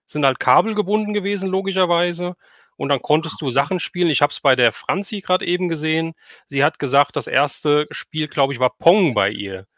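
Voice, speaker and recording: Higher-voiced middle-aged man, very dry sound. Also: normal speed, fairly bright tone, dry recording. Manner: reminiscing, conversational. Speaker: livestream host. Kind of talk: casual chat.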